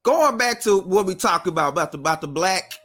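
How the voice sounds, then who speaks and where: A man with a fairly high voice co-hosts a relaxed talk show. He reads out comments in a conversational tone and pushes people to answer his questions. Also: a little fast. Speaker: podcast co-host. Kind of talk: casual chat, reading viewer comments.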